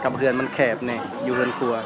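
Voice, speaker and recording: A man's voice: medium pitch, completely flat delivery, fast talker. A man with a Lao accent vlogging casually at a village wedding, chatting with the locals and asking them questions. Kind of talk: casual vlog narration and chat. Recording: muffled, busy crowd and noise.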